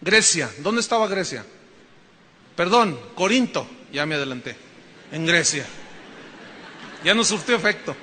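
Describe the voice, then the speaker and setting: A man with a Mexican accent preaching a sermon as pastor, animated, joking and emphatic. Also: sits high, a little slow, pauses often, big-room sound, a little hiss or hum. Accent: Mexican Spanish.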